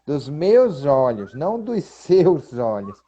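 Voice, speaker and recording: Male co-host, fairly high, mellow voice; lo-fi recording. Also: husky. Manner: animated, reads scripture aloud slowly with emphasis. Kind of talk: casual Bible discussion. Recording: dull lo-fi sound.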